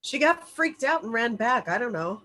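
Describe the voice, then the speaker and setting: A woman's voice: a little high, sing-song, normal speed, pushed and bright, heavily acted. A woman playing a crude, brash young male slacker in a table read, blunt and sweary. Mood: dismissive, crude.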